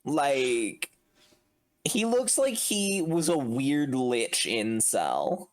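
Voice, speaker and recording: A man chats as a player in a tabletop game. He speaks slowly with an animated, mid-range voice, in a casual, joking style. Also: mid-range voice, slight background noise.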